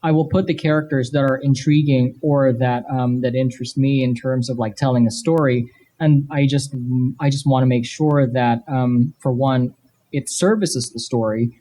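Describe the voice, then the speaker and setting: A man's voice: medium pitch, steady tone, normal speed, dark tone. A man talking casually and emphatically as a guest on a panel at a live convention. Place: live comic convention panel before an audience. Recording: live event, background noise.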